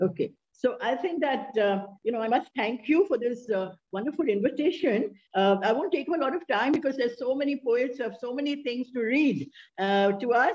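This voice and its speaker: With lively intonation, a woman talks at a high pitch. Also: moderate pace. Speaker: poet and professor. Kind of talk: formal speech. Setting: video call.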